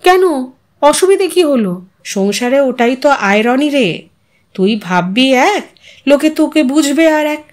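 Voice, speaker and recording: A woman's voice: high voice, animated, measured pace, long pauses. A woman reading a story, voicing an older woman who questions her old friend with sympathy. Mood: curious. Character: Sujata, inquisitive older widow, sympathetic old school friend.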